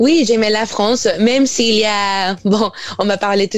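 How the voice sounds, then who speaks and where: Ordinary in pitch variation and medium in pitch, a woman's voice moves at a fairly slow pace. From Mexico. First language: Spanish (speaking French). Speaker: personal development coach. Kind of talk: interview. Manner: halting.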